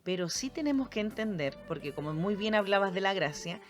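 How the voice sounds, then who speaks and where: A woman's voice: mid-range voice, lively intonation, brisk, faint music behind. A woman co-hosting a Christian teaching podcast, speaking earnestly and reading scripture aloud with frequent "amen" and "right?". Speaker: podcast co-host.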